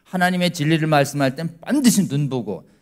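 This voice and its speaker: A middle-aged man, a lawyer, giving a church lecture who keeps asking the congregation questions and acting out quoted voices, swinging between loud and quiet. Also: on the high side, expressive, a little fast. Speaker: lawyer speaking at a church prayer meeting.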